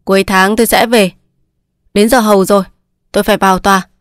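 A woman's voice: medium pitch, fairly even intonation, fast, no room sound, natural voice. A woman reading the part of a proud young official son who speaks curtly and dismissively, in a dry recording. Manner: curt, dismissive.

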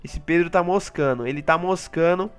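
A man with a Brazilian Portuguese accent giving excitable live commentary on his gameplay. He talks straight to his audience and often jumps into high yelps and laughter. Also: moderate pace, clean tone, soft background music. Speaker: gaming YouTuber.

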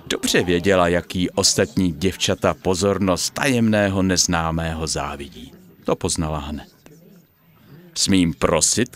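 A man narrating a bedtime fairy tale, speaking directly to the children listening. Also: fairly low pitch. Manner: lively, addressing children directly. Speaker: storyteller.

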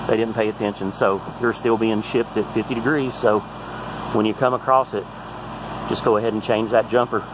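A fairly low-pitched man talks through a hands-on repair tutorial in a folksy, practical way. He is recorded on a phone outdoors beside a heat pump, with clear background noise around him. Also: steady tone, brisk. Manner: plain-spoken, folksy and practical. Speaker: HVAC technician.

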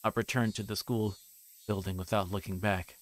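A man livestreaming a visual novel, reading it aloud in a casual, halting way that stumbles over words. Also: fairly low pitch, fairly even intonation, a little hiss or hum. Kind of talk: casual narrated read-aloud.

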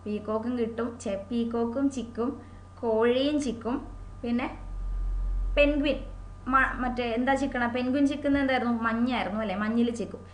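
Woman, exam-prep teacher; higher voice, chatty, repeats key terms, roomy echo. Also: slight background noise. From Kerala. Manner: chatty, asks questions and answers them herself; repeats key words slowly for memory. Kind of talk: online exam-prep lesson.

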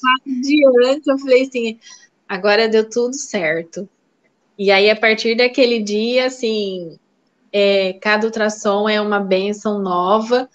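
A woman guest telling her own story in a casual chat, animated and acting out the voices of people she quotes, on a dull lo-fi recording. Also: mid-range voice, a little slow. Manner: animated, acts out quoted dialogue. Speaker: interview guest sharing her fertility story.

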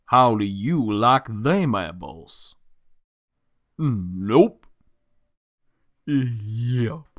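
A man voicing a big, plain-spoken cartoon farm pony with a folksy, drawling manner. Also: medium pitch. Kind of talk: fan voice impression demo reel of cartoon lines.

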